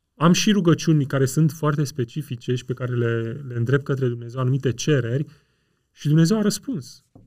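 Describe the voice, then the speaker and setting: On a very clean recording with a silent background, a man with a fairly high pitch talks at a fairly quick pace, dark and mellow in tone, somewhat breathy, with ordinary pitch variation. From Romania, Dâmbovița county. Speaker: theology professor. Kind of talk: casual interview, life story.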